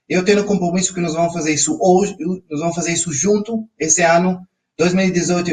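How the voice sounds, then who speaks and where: An Israeli financial coach, a native Hebrew speaker with an Israeli accent, energetically leads a live online finance class, constantly prompting viewers with "ok?" His fairly high voice was captured from a distance in a low-quality recording.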